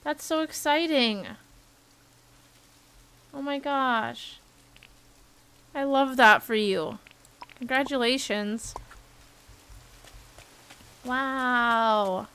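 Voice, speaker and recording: A woman in her twenties streaming a game. She chats casually and gushes with bubbly excitement. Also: sits high, drawn-out words, long pauses, smooth, poor audio. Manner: bubbly, gushing, chatty. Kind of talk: casual gameplay commentary.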